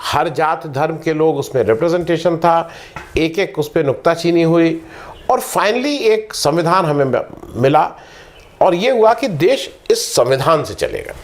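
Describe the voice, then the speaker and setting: A man's voice: fairly high pitch, animated, measured pace. A middle-aged man giving a lecturing talk, reeling off statistics with fillers and restarts. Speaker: political commentator. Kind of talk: explanatory talk to camera.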